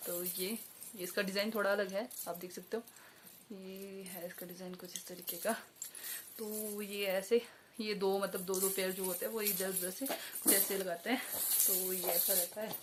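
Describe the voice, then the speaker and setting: A young woman chats casually in a home vlog, showing things off with a medium-pitched voice, often pausing on fillers and correcting herself. The recording is noisy, with jingling bells and jewellery behind her. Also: little pitch movement. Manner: chatty, hesitant with many fillers and self-corrections. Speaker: vlogger. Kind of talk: casual show-and-tell vlog.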